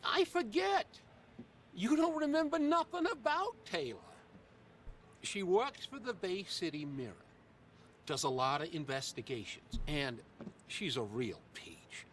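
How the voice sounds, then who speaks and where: A distant recording with some noise carries a kindly older working-class guy from a video game. His voice sits fairly high and swings around freely. He talks in a folksy, plainspoken and sentimental way. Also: sing-song, unhurried, fairly bright tone, full character voice. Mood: fond. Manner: folksy, ungrammatical, hesitant speech. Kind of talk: video game dialogue acting.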